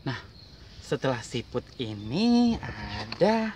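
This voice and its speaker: Animated man storytelling, distant outdoor recording. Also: medium pitch, takes it slowly. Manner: animated, with exclamations and sound effects; repeats phrases simply for a child. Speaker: father reading to a small child. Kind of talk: picture-book storytelling to a child. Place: outdoors on a playground swing in a residential park. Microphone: camera a short distance away. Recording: outdoor noise, voice off from mic.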